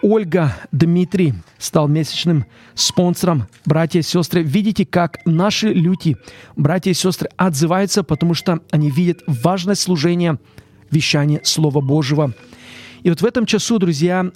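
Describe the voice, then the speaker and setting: A man's voice: on the high side, normal speed, a little mellow. A man hosting a live Christian radio fundraising appeal, speaking earnestly, often repeating "friends" and restarting his phrases.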